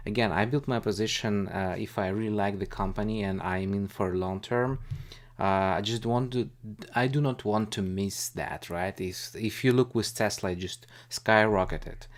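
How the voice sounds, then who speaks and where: A man's voice: lowish voice, moderate pace. A man hosting a live stream, talking casually and a bit hesitantly in a rambling, informal way about investing.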